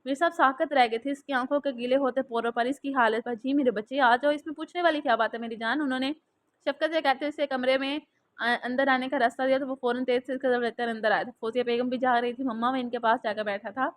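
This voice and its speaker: Female narrator for a romance novel reading; fast, slightly high. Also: fairly even intonation.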